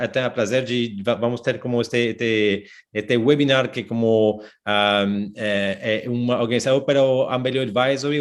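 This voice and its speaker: Man, French accent, halting, restarts, mid pitch, video call audio. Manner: halting, many fillers and restarts. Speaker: webinar moderator. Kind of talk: hesitant panel introduction.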